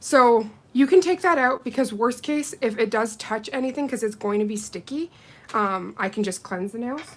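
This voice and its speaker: A plain, everyday voice with a Canadian accent moves at a moderate pace with lively intonation. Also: woman, fairly high pitch for a woman. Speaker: nail technician. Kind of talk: casual chat while working. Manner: chatty, filler-heavy.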